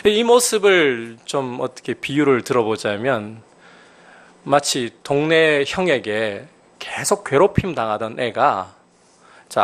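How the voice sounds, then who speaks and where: A man's voice: medium pitch, fairly bright tone. A male pastor preaching a sermon, explaining scripture and building to emphatic, raised peaks.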